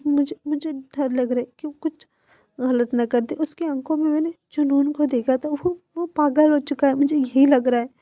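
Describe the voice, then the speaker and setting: A woman's voice: high voice, fairly even intonation, moderate pace, warm tone, no room sound, pitched above the performer's own voice, lightly acted. A woman voicing an upset, frightened young man in a narrated fan-fiction story, speaking in a pleading, agitated way. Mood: shaken pleading.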